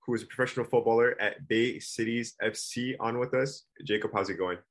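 A man's voice: mid-range voice, fairly even intonation, fairly quick. A man from the Toronto area hosting a podcast, asking friendly, conversational questions. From Greater Toronto Area, Canada. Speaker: podcast host. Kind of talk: casual interview hosting.

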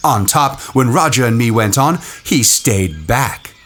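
A man voicing a headstrong, contemptuous boy in an audiobook, talking forcefully and insistently. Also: medium pitch, lively intonation, unhurried, voice pushed up. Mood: scornful. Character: headstrong boy hunter leader, contemptuous and defiant.

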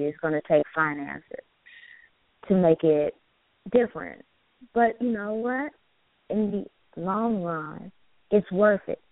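A woman's voice: lowish voice, dry recording. A woman co-hosting a motivational call-in show, preachy and encouraging, repeating phrases and filling with "you know". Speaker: co-host. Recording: dry tinny phone line.

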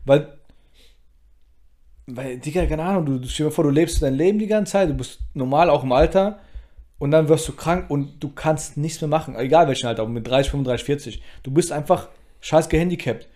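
A man's voice: on the high side, fairly quick, warm tone. A young man co-hosting a podcast in casual chat, blunt and full of street slang. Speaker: podcast co-host.

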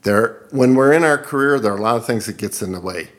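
A man in his seventies talks earnestly in an interview, reflective and quick to laugh. His voice sits at a middle pitch. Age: 70s. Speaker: guest. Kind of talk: interview conversation.

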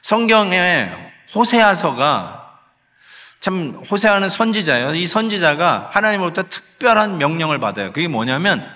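A male pastor with a fairly high, bright and forceful voice, preaching in an easy, conversational way and mixing in English phrases. His sermon rings out with a long reverb, as if recorded in a large church sanctuary. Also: sing-song, moderate pace. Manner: acts out sighs and scolding quotes.

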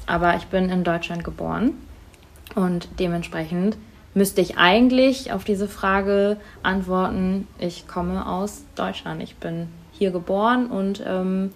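A woman whose first language is Tamil, being interviewed for a school project and answering thoughtfully with many pauses and hesitations. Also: fairly low pitch, steady tone, creaky. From Germany.

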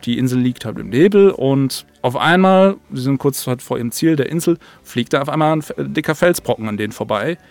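A man's voice: medium pitch, lively intonation, a little fast, hardly any pauses, a little mellow, no room sound. Man explaining casually in dry sound. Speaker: interview guest, audio drama writer.

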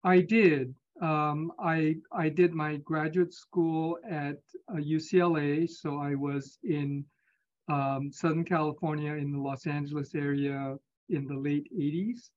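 A man in his fifties from Singapore speaks in a slightly raised register. He answers carefully, pausing often as he gathers his thoughts. The remote audio sounds dull and lo-fi. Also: fairly high pitch, steady tone, darkish tone. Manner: measured, hesitant, with many pauses. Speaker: interview guest, physician. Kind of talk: conversational interview.

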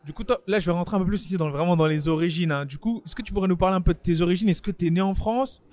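A man's voice: sits high, very fast, darkish tone, no room sound. A man interviewing a fighter, asking long, rambling questions in a casual tone.

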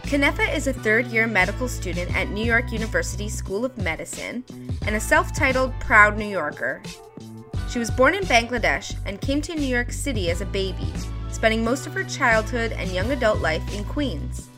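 A woman hosting a podcast, reading a scripted intro and then chatting casually, upbeat and quick to encourage her guest. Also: a little high, expressive, over music. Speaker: podcast host.

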